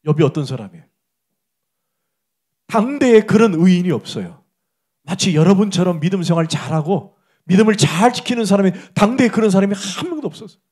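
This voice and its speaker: High-voiced Korean pastor preaching emphatically. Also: male voice, expressive, a little fast, pauses often, darkish tone, slightly rough. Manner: emphatic, questions the congregation directly. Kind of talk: sermon.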